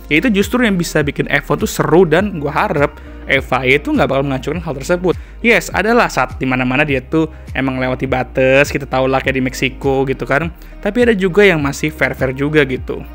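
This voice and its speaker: A man talks quickly in a chatty, slangy vlog style, his voice slightly hoarse and a little high. Soft music plays beneath him. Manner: chatty, slangy Jakarta-style casual talk. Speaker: F1 commentary YouTuber. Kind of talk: casual vlog commentary. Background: background music.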